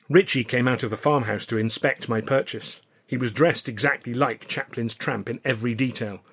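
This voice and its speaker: A man's voice: mid-range voice, slightly rough. A man reading scripted first-person audiobook narration of a novel. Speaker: author reading own novel.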